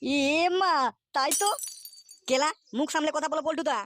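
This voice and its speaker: Man doing a cheeky, high-voiced Bengali cartoon womanizer. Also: fairly even intonation, moderate pace, fairly bright tone, a little hiss or hum. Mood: defiant. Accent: West Bengal Bengali. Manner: mocking, evasive, stammers when cornered. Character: cheeky, shifty village womanizer playing innocent. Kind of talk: comic cartoon voice acting.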